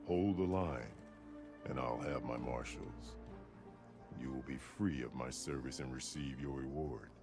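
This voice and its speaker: An actor playing a stern, imposing tribal war chief in a video game, speaking in a formal, declamatory way. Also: male voice, extremely low pitch, darkish tone. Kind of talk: dramatic video game acting.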